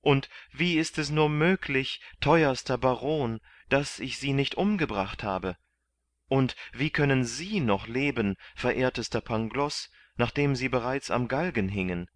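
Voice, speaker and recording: A man voicing an earnest, excitable young hero who pleads eagerly in a raised voice in a storybook reading. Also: lowish voice, measured pace, dry recording. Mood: eager, excited.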